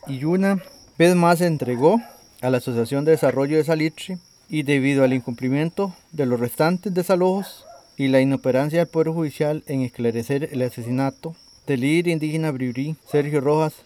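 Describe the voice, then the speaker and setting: A man working as a community radio reporter, reading a news report in a measured, deliberate way and interviewing a guest. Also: a little high, warm tone, a little hiss or hum.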